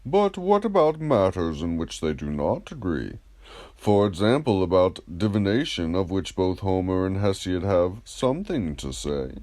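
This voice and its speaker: A man plays a wise ancient philosopher in an audiobook dialogue. He questions politely and methodically in a low, mellow voice, unhurried, with lively rises and falls. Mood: patient probing. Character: wise, courteous Greek philosopher, patiently probing.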